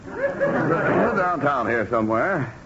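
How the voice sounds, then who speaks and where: An actor playing an evasive, overly polite houseguest in a 1940s radio comedy, on an old radio recording. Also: male voice, fairly high pitch, huge pitch swings, takes it slowly, lo-fi sound, heavy background noise, heavily acted. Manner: hedging, polite, eager to leave. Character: smooth-talking evasive old school chum.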